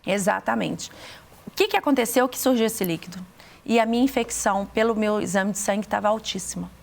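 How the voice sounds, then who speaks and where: Gravelly Brazilian woman giving testimony. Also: mid-range voice. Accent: Brazilian Portuguese. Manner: earnest, repeats words, halting restarts. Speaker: interview guest giving testimony. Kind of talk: emotional faith testimony.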